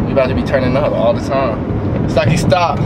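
A man talks over loud background noise. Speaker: vlogger. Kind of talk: casual vlog chat. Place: car. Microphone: phone near.

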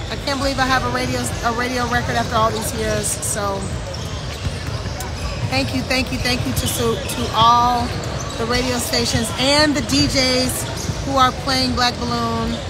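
Loud background noise runs under a moderate pace and long, frequent pauses, and the sound itself is dry with no echo. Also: woman. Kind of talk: casual vlog chat. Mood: grateful, upbeat. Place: hall. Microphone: phone near.

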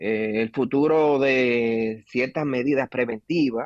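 Here a man speaks at a very slow pace. The sound is dry and close, with no echo. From Dominican Republic. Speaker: oncologist. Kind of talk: interview.

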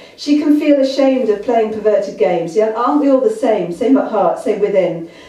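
Audible room echo surrounds a woman whose intonation is lively. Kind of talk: poetry performance. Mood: playful, humorous. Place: stage. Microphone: camera far.

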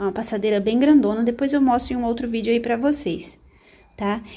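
A woman talks fairly quickly and at a fairly high pitch, with ordinary pitch variation. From Brazil. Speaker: crochet YouTuber. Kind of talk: casual show-and-tell vlog. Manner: animated. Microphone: phone near.

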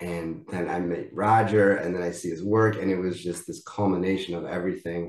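A man talks at a moderate pace in a very deep, low pitch with monotone, flat intonation. The background is quiet, but there is audible room echo. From Chicago. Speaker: documentary filmmaker. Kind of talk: interview. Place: home room. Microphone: video call.

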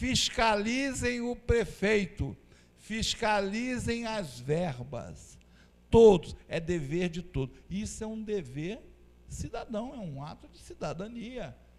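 A man's high-pitched voice at a very slow pace, with very wide pitch swings and big swings in loudness. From Niterói, Rio de Janeiro, Brazil. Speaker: political guest with management experience. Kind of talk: interview, political commentary. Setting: studio. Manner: formal, measured. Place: studio. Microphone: handheld.

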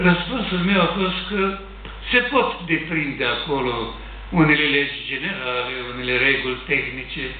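Fairly high-pitched male speech with lively intonation, audible room echo and light background noise. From Romania. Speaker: stage actor. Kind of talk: public talk, storytelling. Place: hall. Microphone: camera far.

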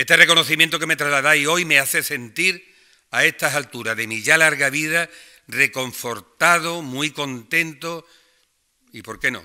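A man speaks fairly slowly in a fairly high pitch with a bright, sharp tone against a quiet background. His pitch varies ordinarily, but his loudness swings a lot. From Andalusia, Cádiz province (Medina Sidonia). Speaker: award recipient, former ombudsman and priest. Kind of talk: formal acceptance speech. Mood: grateful, solemn. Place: hall. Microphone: podium.

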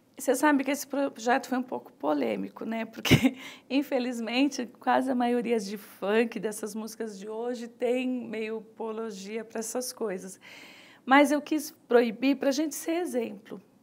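A woman with a São Paulo accent and a high-pitched voice. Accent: São Paulo Brazilian Portuguese. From Brazil, Barueri (São Paulo metro area); São Paulo, Brazil. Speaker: city councillor. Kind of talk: interview. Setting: studio. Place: studio. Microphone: lapel.

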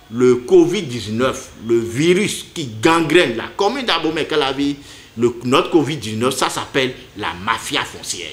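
A man speaks at a very slow pace. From Benin. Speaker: local politician. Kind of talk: political speech. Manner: halting, many hesitations. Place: home room.

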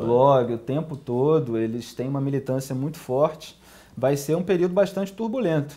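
With a dark, mellow tone, a man speaks at a fairly high pitch, with ordinary pitch variation and a moderate pace. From Rio de Janeiro, Brazil. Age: 30s. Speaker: political journalist and commentator. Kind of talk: interview answer. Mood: calm, analytical. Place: studio.

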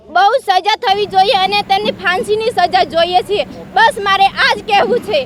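Extremely high-pitched, a woman speaks with ordinary pitch variation and very even loudness, in a dry sound with no echo and noticeable background noise. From Gujarat, Banaskantha district; Gujarat. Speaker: daughter of murder victim. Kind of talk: news interview testimony. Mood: grieved, earnest demand for justice. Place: street. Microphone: handheld.

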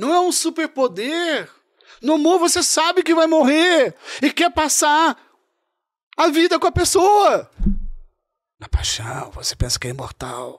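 A man with an extremely high pitch speaks fairly slowly, using ordinary pitch variation, big swings in loudness, and long, frequent pauses, in a dry, close sound with no echo. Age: 50s. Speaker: poet and writer. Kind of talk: interview conversation.

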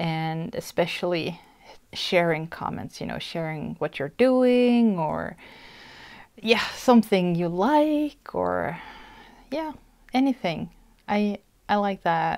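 In a Swedish accent, a woman speaks at a very slow pace with a fairly low pitch. The background is quiet. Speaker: cross-stitch vlogger; craft vlogger. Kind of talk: casual vlog monologue; casual vlog chat. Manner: halting, many fillers. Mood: warm, friendly. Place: home room. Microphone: lapel.

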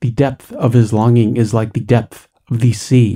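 Somewhat breathy, a man's voice carries a dark, mellow tone and a dramatic delivery. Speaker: video narrator reading a story aloud. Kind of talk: storytelling narration, reading a ghost story aloud. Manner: measured, dramatic, steady pacing with suspenseful tone.

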